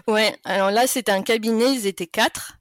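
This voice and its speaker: A woman's voice: a little high, steady tone, moderate pace, dry recording, studio quality. A woman in her late thirties from France, a podcast guest chatting casually and laughing often between sentences. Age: 30s. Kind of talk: casual interview chat.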